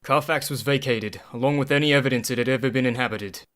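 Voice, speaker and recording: A man playing a brisk fast-talking doctor. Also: mid-range voice, a bit bright, no echo, studio quality, natural voice. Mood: matter-of-fact. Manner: brisk, matter-of-fact reporting. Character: brisk young male doctor, methodical. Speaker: actor in radio play. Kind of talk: community radio play acting.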